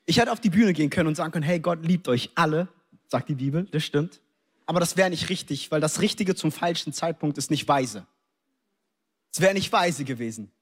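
A young adult man from Germany preaching a sermon, telling a personal story with lively acted-out scenes and English interjections. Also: a little high, a little fast, husky.

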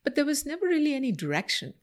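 A woman's voice: high voice, very animated. A woman from India whose first language is Marathi, thoughtfully answering interview questions about her life and career. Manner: thoughtful, reflective, many pauses and fillers. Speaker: interview guest.

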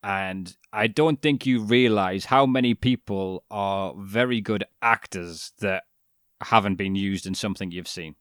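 A man's voice: fairly low pitch, unhurried, clear, resonant tone, no room sound, clean studio sound. A man co-hosting a podcast, rambling through a casual chat about a documentary with frequent restarts, fillers and the odd swear word. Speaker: podcast co-host.

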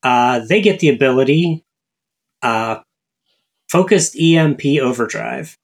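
A man's voice: mid-range voice, expressive, measured pace, creaky. A man co-hosting a casual gaming podcast, explaining rules. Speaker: podcast co-host.

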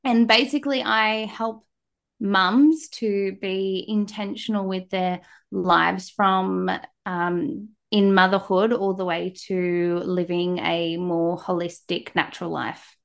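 A woman's voice: medium pitch, steady tone, takes it slowly, creaky. Chatty Australian woman guest. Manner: chatty and explanatory. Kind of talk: casual podcast interview.

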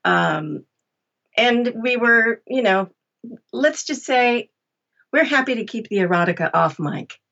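Female podcast guest, unhurried slow delivery, casual chat, slightly lo-fi audio. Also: on the high side, expressive, fairly bright tone.

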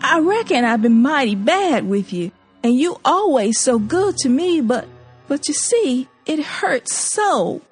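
A woman's voice: high-pitched, wildly swooping pitch, takes it slowly, soft background music, voice pushed up, full character voice. A woman reader voicing a passionate, grieving young woman who swings between bitter defiance and pleading. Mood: plaintive pleading.

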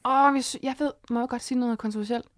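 A woman's voice: on the high side, steady tone, no room sound, clean studio sound. A young woman from Denmark co-hosting a casual podcast, teasing and blunt, laughing often. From Denmark, Esbjerg area. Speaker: podcast co-host.

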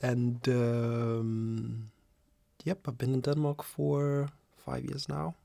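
Man from Zambia, podcast guest, gravelly voice, friendly and laughing, dry sound. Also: mid-range voice, monotone, extremely slow, mellow, dry recording. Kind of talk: casual chat.

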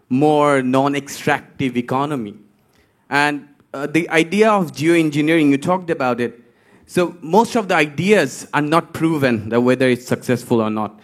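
A man from Bangladesh, speaking quietly and hesitantly from the audience. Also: mid-range voice. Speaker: audience member.

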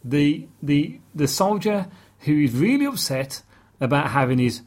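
A man's voice: fairly high pitch, big pitch swings, a little slow, a little mellow. A man co-hosting a casual podcast, reviewing a TV episode in an exasperated, ranting way. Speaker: podcast co-host.

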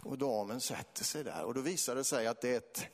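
A man's voice: mid-range voice, expressive, long reverb tail. A man from Småland giving a church sermon with a Småland accent, telling personal stories with laughter and rising to fervent preaching. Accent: Småland Swedish.

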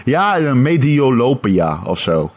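A man co-hosting a game podcast in casual chat, animated with hesitant restarts and casual swearing. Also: mid-range voice, slow pace.

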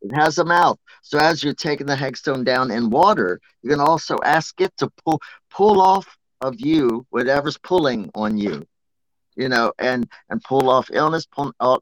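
A man's voice: mid-range voice, a bit bright, dry recording, poor audio. A man from Appalachia, a guest teacher, earnestly explaining witchcraft rituals in casual conversation. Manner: earnest, chants and sings ritual verses.

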